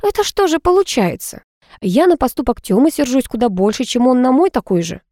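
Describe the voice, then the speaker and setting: A woman's voice: high-pitched, big pitch swings, brisk, dry recording, studio quality, pitched above the performer's own voice. A woman voicing an irritable, stubborn young female student who talks back sharply. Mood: exasperated. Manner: snappish, sharp-tongued.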